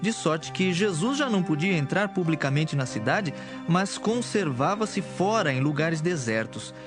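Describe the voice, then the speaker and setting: Higher-voiced male Bible narrator. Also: animated, moderate pace, music in the background. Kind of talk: scripted audio Bible narration.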